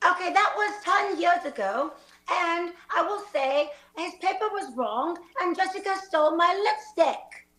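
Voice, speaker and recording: A woman's voice: extremely high pitch, animated, a little slow, bright, forceful tone, heavily acted. A woman voicing a baffled, defensive Australian former student in improvised comedy, with a put-on Australian accent. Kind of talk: improvised comedy stage acting. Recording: roomy, echoey live space.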